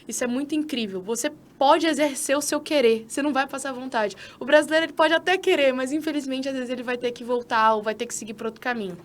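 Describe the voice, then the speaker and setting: Fast, high-voiced Brazilian woman. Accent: Brazilian Portuguese. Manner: energetic, persuasive, addresses listeners directly. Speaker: citizenship consultant, podcast co-host. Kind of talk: casual podcast chat.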